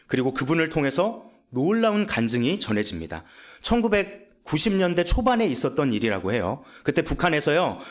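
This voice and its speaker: A male evangelist preaching a sermon, his pitch swinging widely as he tells a dramatic testimony. His delivery is emotive and vivid. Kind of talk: sermon storytelling.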